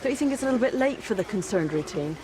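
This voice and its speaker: A woman's voice: mid-range voice, animated, very fast, close to an everyday voice. An actress playing an indignant, reproachful woman in a TV drama. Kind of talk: TV drama acting. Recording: noisy location, slightly off mic.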